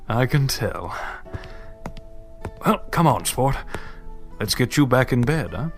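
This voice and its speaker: A male actor plays a troubled family man in an audio drama. He talks slowly, with lively swings in pitch and a soothing, sometimes hushed delivery. Music is clearly heard behind him. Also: exaggerated voice. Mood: gentle, fatherly. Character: tender but troubled father and husband, secretly shady. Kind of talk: audio drama acting, slow intimate dialogue.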